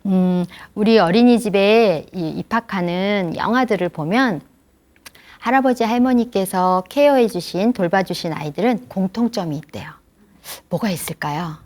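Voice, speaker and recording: A woman lecturing grandparents in a gentle, explanatory way, often asking the audience questions. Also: mid-range voice, normal speed.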